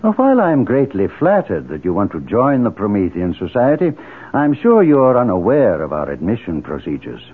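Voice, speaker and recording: Swooping, imperious cult leader. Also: male voice, on the low side, wildly swooping pitch, slightly rough, full character voice. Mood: lofty. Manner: formal, pompous, measured oratory. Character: imperious, suave male leader of secretive moral-crusade society. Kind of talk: 1970s radio drama acting. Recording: tinny 1970s radio broadcast.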